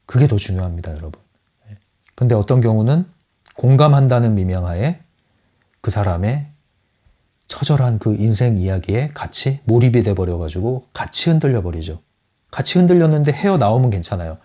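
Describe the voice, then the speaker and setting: A man's voice: fairly low pitch, expressive, brisk, mellow. A man giving a lecture on a book as a psychology counselor, often asking his audience rhetorical questions. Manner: asks the audience rhetorical questions, acts out quotes.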